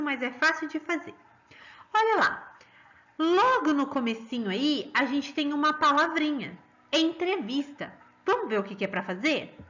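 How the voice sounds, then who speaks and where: A woman's voice: high voice, sharp tone, lo-fi sound. A woman with a Brazilian Portuguese accent teaching a children's lesson, sing-song and coaxing, drawing out stressed syllables.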